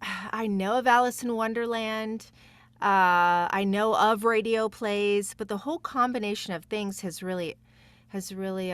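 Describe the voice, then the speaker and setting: A woman's voice: mid-range voice, a bit bright. A woman chatting casually as a podcast guest, effusive and emphatic in the way she talks. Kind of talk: casual chat.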